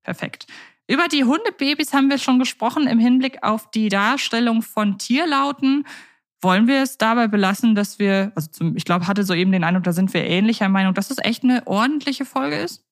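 A woman's voice: fairly high pitch, lively intonation, no echo. Thoughtful female podcast co-host, dry sound. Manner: measured, thoughtful, hesitant with fillers. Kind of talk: casual chat about radio plays.

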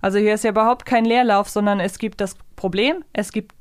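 A woman's voice: mid-range voice, fairly even intonation, fairly quick, clean tone, no room sound. A woman speaks as a podcast co-host, earnest and analytical but informal. She reworks her sentences mid-thought in a mid-range voice, captured close and dry. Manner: earnest, argues her point, self-correcting. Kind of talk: casual analytical review chat.

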